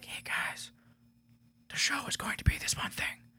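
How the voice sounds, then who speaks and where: A raspy, put-on character voice delivers its lines at a moderate pace with a dramatic tone. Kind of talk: mocking a blunt pitch. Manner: whispering for dramatic effect.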